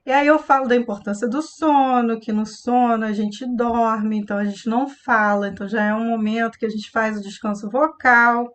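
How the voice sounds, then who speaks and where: Woman voice coach, expressive teaching delivery, a touch high-pitched. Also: moderate pace, hardly any pauses. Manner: expressive, demonstrates tones of voice. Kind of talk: live online class.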